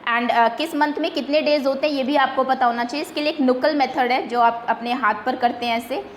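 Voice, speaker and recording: High-voiced woman teaching a quiz. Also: fairly even intonation, reverberant, a little hiss or hum. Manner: patient, repeats slowly, mixes English terms. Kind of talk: online quiz lesson for young pupils.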